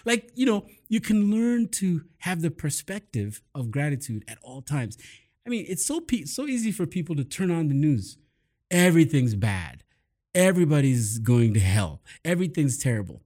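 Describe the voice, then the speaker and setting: A man hosting a casual chat, explaining mindset habits in an upbeat, quick way. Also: on the high side, sing-song, a little mellow. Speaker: host and mindset coach.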